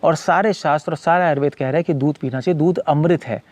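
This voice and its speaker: A man with a slightly high voice explains his points in a loose, conversational way. He keeps repeating words and starting sentences over. English terms slip into his everyday speech. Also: fast talker, darkish tone, no echo. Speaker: monk and former medical doctor giving a talk. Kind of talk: casual explanatory talk. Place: cow shelter owner speaking from his farm community.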